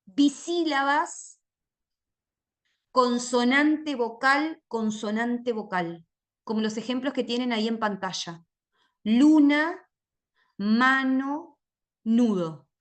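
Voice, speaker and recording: A woman's voice: fairly high pitch, takes it slowly, fairly bright tone. A woman teacher giving a literacy training lecture, speaking carefully and drawing out sounds as she models them. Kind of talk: lecture with phonics demonstrations.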